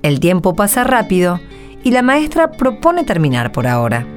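A woman's voice: fairly low pitch, huge pitch swings, moderate pace, music in the background. A woman reading scripted narration for a radio drama.

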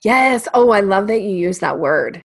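A woman's voice: medium pitch, lively intonation, normal speed, vocal fry, husky, no room sound, studio quality. A woman sales coach explaining her method as a podcast guest, conversational and emphatic.

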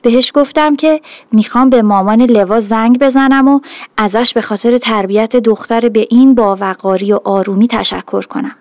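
A woman, a mother, calmly telling a reflective first-person story about her daughter. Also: medium pitch, no echo.

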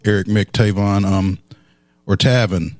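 A man co-hosting a local sports radio show, easygoing and unhurried, with plenty of ums. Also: lowish voice, steady tone, a little mellow, no echo. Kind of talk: casual sports talk radio.

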